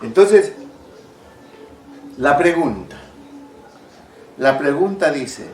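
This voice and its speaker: A man's voice: a little high, expressive, drawn-out words, darkish tone, faint music behind. A man preaching a sermon as a pastor, telling stories with emphatic rises and drops. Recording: echoey room, distant mic, faint noise.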